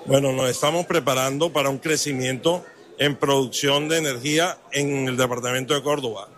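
A man's voice: medium pitch, steady tone, brisk, fairly bright tone. A man, a company executive, answering interview questions in a factual way. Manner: factual, businesslike.

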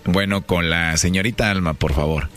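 A man on a radio show making a prank phone call, posing as a smooth, flirty salesman. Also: low-pitched, steady tone, normal speed, very noisy.

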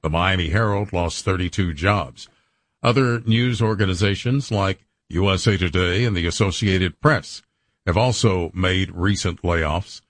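A man reading a radio news bulletin in a steady, measured way. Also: deep voice, no room sound. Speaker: radio newsreader.

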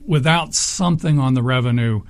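A man hosting a public radio interview, asking measured, thoughtful questions. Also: mid-range voice. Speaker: radio host.

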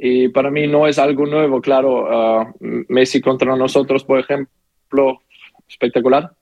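This is a young man taking interview questions, his speech unhurried and full of pauses as he reaches for words in a language not his own. The sound is dry and close, with no room around it. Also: mid-range voice, little pitch movement, darkish tone, dry recording, highs cut off. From Austria. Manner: halting non-native speech, many pauses and fillers. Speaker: footballer guest. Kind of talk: phone interview answers.

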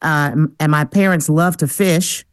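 A woman's voice: deep voice, steady tone, measured pace, dry recording, clean studio sound. A woman guest on a radio interview show, telling her life story with eager enthusiasm. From Michigan. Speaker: guest, singer and speaker. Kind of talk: casual interview talk.

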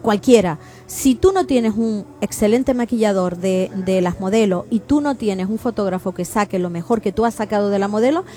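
A woman's voice: medium pitch, normal speed, few pauses, mellow. A woman hosting a radio interview, asking long, rambling questions in a playful way. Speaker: radio host.

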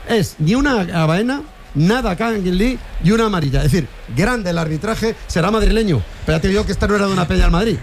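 A man argues bluntly and combatively as a football radio pundit. He talks fast in a high voice, with faint noise behind. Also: lively intonation, creaky. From La Mancha, Spain.

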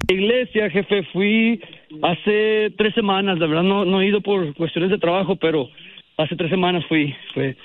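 A man's voice: high-pitched, moderate pace, no room sound. A man in his twenties calling in to a radio show, answering questions politely and hesitantly with many fillers. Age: 20s. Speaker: radio caller. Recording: dull phone line.

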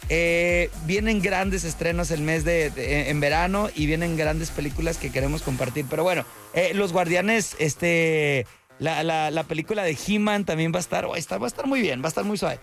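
A man's voice: a little high, moderate pace, creaky, a bit bright, faint music behind. A man hosting an evening radio show, chatting casually and chummily with listeners. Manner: chummy, slangy, upbeat. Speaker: radio host. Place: radio studio.

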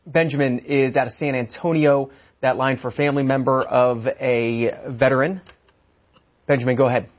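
A male radio host who briskly thanks callers and hands off to the next speaker. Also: mid-range voice, steady tone, dull audio. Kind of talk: radio call-in hosting.

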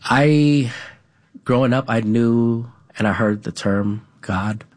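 A man who grew up speaking Vietnamese at home, talking as an interview guest in a halting way, with many fillers and an added "right?". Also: mid-range voice. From United States. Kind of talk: casual conversational interview.

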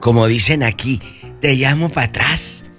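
A man's voice: mid-range voice, unhurried, a bit bright, faint music behind. A man hosting a radio show, gossiping about celebrities in a campy, chatty and theatrical way. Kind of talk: gossip chat.

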